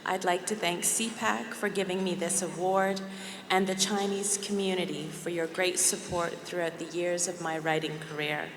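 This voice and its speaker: A woman reads a formal acceptance speech in a measured, careful tone. Her voice is a bit low and carries an echoey, long reverb from the banquet hall around her. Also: flat delivery, crowd noise. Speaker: reading an acceptance speech for someone else.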